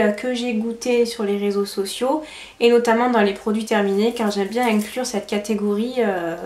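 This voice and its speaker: A woman vlogger chatting through a casual product review, hesitant with fillers and quick self-corrections. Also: fairly high pitch, darkish tone. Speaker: lifestyle vlogger. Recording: roomy echo, faint background noise.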